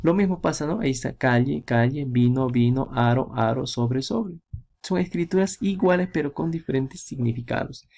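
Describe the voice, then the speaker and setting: A man's voice: medium pitch, normal speed, gravelly, darkish tone. A man teaching a grammar lesson, explaining with examples and asking checking questions.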